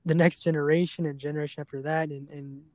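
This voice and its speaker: A man hosting a serious podcast conversation, speaking earnestly and haltingly, often repeating words as he goes. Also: fairly high pitch, flat delivery, a little mellow, no room sound. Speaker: podcast host.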